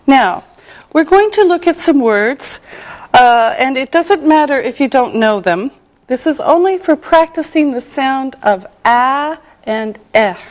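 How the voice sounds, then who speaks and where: A middle-aged woman from Canada teaching English in a scripted lesson, pronouncing every word slowly and carefully. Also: sits high, animated. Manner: slow, carefully enunciated.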